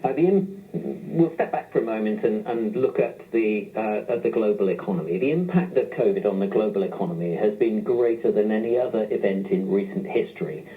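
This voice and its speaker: A man giving a corporate presentation as a chief executive, phrasing things deliberately with frequent hesitations. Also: fairly low pitch, lively intonation. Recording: tinny, narrow phone-line sound.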